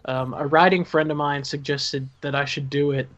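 A man's voice: a little high, moderate pace. Southern man with a lo-fi sound. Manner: relaxed, laughs often, restarts words. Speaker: writer and director. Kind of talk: casual commentary chat. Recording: dull lo-fi sound.

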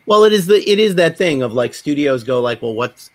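A man's voice: fairly high pitch, lively intonation, a little fast, no room sound. A man hosting a podcast, chatting casually and wandering off into anecdotes. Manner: digressive, anecdote-telling. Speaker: podcast host. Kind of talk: casual conversational chat.

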